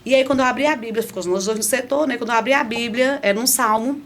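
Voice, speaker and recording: A middle-aged woman, a podcast guest, telling her faith testimony in an animated, conversational way. She often restarts phrases and turns to her listeners with asides. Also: fairly high pitch, quick pace, a little hiss or hum. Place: podcast studio.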